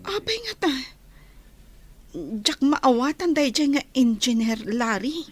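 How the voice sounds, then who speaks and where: An actress playing a gentle young woman working at a small eatery, soft-spoken. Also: high-pitched, expressive, slow pace. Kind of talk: Ilocano radio drama acting.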